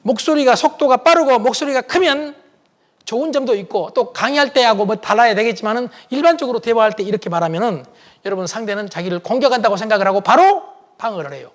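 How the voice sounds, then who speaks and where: Middle-aged guy lecturing a crowd, higher voice, acts out little dialogues and keeps asking the audience stuff. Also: lively intonation, fast talker. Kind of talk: lively public lecture.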